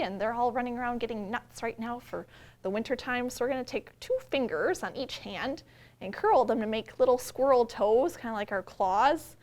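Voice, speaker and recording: High voiced lady doing kids storytime, librarian type, asks the little ones stuff, stretches out words when reading. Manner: simple explanations, questions and invitations addressed to young children. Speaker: children's librarian, storytime host. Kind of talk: children's storytime read-aloud with talk and action rhymes.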